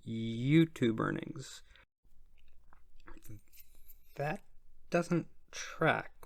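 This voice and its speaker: A shy, awkward tax auditor played by an ASMR performer speaks softly and haltingly in a roleplay. The delivery is slow and creaky, with stammers and breathy drops toward a whisper, recorded close and dry. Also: medium pitch, no echo. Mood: hesitant, suspicious.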